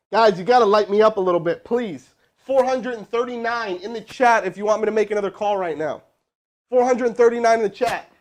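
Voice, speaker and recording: The voice belongs to a fired-up man whose pitch runs a little high as he coaches cold calls on a live stream. He's a sales trainer working indoors with crew present, talking fast, loose and casual, hyping viewers between calls and adding chatty asides.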